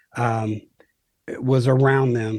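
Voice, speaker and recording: A man with a slight New England accent speaks in monotone, flat intonation. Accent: slight Yankee. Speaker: podcast host and music school leader. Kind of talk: casual chat.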